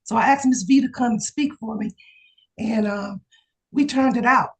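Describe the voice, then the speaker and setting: Hoarse woman, slightly higher pitch, eager testimonial on a video call. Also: normal speed. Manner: excited, testimonial chat with laughs. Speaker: insurance agent. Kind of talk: casual video call chat.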